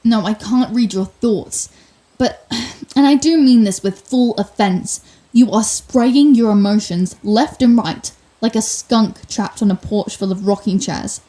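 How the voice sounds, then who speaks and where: A woman's voice: fairly high pitch, a little slow, dark tone, natural voice, low-quality recording. A woman playing a sardonic telepathic supervillain in an ASMR roleplay, theatrical and sarcastic, menacing with a hidden compassionate streak. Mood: exasperated, mocking. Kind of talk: ASMR roleplay audio drama.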